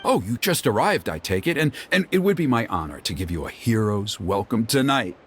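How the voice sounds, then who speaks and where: Stern, expressive tribal elder father. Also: fairly low pitch, a little fast, slight background noise. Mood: gracious. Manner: formal, expressive, hesitant when flustered. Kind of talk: English video game voice acting. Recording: game music behind the voice. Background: game background music.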